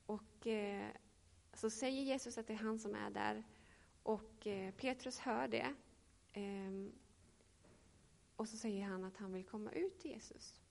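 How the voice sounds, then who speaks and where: A woman in her thirties giving a reflective sermon and reading scripture, pausing often with hesitations. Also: mid-range voice, creaky. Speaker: preacher.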